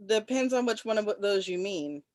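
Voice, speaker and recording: A woman acting an awkward young student in a film script table read, halting and nervously polite. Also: medium pitch, animated, a little mellow, dry recording, lightly acted. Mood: awkward, friendly.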